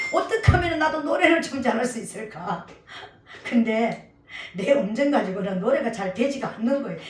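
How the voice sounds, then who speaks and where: Speaking in a Gyeongsang accent at a moderate pace, the voice makes very wide pitch swings amid audible room echo and music in the background. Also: woman, high pitch for a woman. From Gyeongsang region, South Korea. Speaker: pastor. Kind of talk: sermon.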